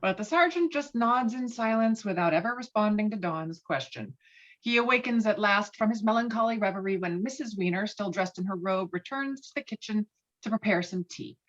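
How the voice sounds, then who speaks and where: A woman's voice: mid-range voice, animated, fairly quick. Muffled woman narrator reading a script. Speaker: narrator reading stage directions.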